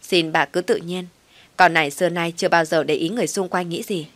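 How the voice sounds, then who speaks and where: A defiant young woman with a taunting, mocking edge, as a woman storyteller puts her on. The voice is loud and the recording dry. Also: fairly low pitch, fairly even intonation, fairly quick, no room sound, lightly acted.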